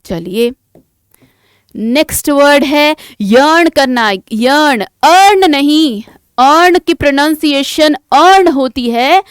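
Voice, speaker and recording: A woman's voice: high voice, clear, resonant tone, no room sound, clean studio sound. A woman teaching an exam-prep vocabulary lesson, explaining patiently, repeating key words and asking rhetorical check questions.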